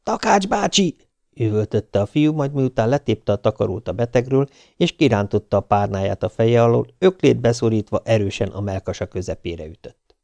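Gravelly male audiobook narrator. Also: fairly low pitch, dark tone, no echo.

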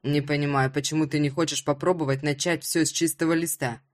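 A woman voicing a smug, mocking father who has been drinking, in a low drawling voice. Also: steady tone, brisk, natural voice.

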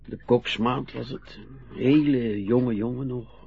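Slow, creaky-voiced proud old sea captain. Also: male voice, mid-range voice, steady tone, exaggerated voice. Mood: reflective storytelling. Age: older. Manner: halting, repeating words, gruff and folksy. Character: proud old retired sea captain, dependent and easily tearful. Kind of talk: naturalistic Dutch radio play acting. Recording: dull, muffled old radio recording.

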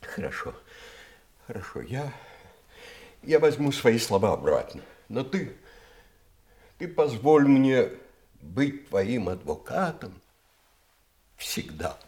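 Актёр играет старого друга семьи и адвоката, который тихо и примирительно уступает. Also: male voice, medium pitch, sing-song, slow, pauses often. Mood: conciliatory. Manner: soft, conciliatory, hushed. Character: older male family friend and lawyer, conciliatory. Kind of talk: 1980s stage radio play acting.

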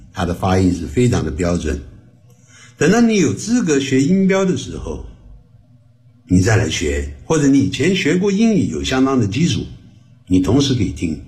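On the radio, a man with a fairly low, darkish voice teaches English to beginners. He stretches words out slowly and repeats them for practice in a studio lesson.

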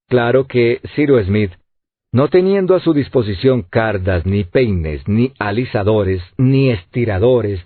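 A man narrating an audiobook in an expressive storytelling reading. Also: fairly low pitch, dry recording. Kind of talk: scripted narration. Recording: dry, tinny phone-like sound.

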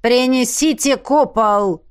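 A woman voicing a greedy old emperor with a creaky voice. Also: on the high side, slow pace. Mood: commanding.

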